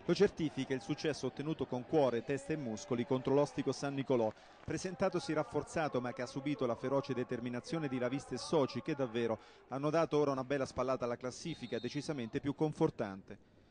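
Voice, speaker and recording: A man narrating a football match report in a brisk, emphatic scripted voice-over. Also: mid-range voice, a little mellow. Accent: Italian. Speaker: sports reporter.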